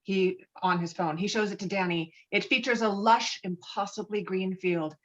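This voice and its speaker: A woman's voice: medium pitch, steady tone, moderate pace. A woman narrating stage directions from a film script at a virtual table read. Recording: dull, lo-fi video-call audio.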